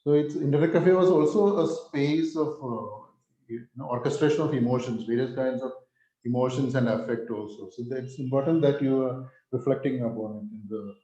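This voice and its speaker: Mellow male interviewer in echoey room. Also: mid-range voice, brisk. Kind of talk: reflective, conversational interviewing. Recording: dull, echoey room audio.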